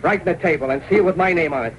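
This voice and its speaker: An actor playing a tough male gangster collector in a 1930s radio drama, talking in gruff slang. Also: fairly high pitch, racing, muffled recording, natural voice. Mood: bullying. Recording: faintly hissy old radio transcription.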